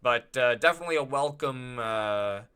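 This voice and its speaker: Podcast host guy, bright voice, casual chatty and excited, swears a bit. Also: medium pitch, normal speed, smooth. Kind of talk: casual chat.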